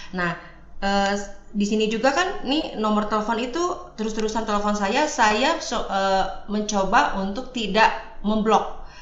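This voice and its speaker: A woman's fairly high voice with ordinary pitch variation, in audible room echo and noticeable background noise. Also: fairly slow pace. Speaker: webinar participant asking a question. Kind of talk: Q&A question in a webinar. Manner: halting, many fillers.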